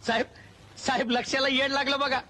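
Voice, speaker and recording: A mocking village constable. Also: male voice, very high-pitched, little pitch movement, fast talker, bright, forceful tone, slight background noise. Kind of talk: comedy film acting.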